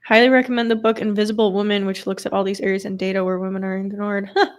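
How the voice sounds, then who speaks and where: A woman's voice: mid-range voice, flat delivery, fast talker. A woman streamer with a stuffy nose from a cold, giving casual play-by-play of a football game and chatting with her viewers. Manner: chatty, swears casually, reads and answers chat. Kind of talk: casual live play-by-play commentary with chat. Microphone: desk streaming microphone.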